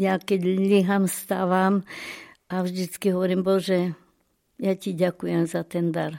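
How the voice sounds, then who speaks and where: In a very clean recording with a silent background, a woman speaks at a very slow pace in a medium pitch, with a dark, mellow tone and monotone, flat intonation. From eastern Slovakia, Stropkov district. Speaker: folk singer. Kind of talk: interview. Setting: studio.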